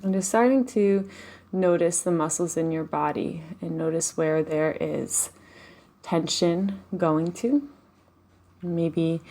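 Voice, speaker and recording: A woman leading a live guided meditation, speaking softly and slowly with long pauses and audible sighs. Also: low-pitched. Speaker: meditation teacher. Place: home, live online session.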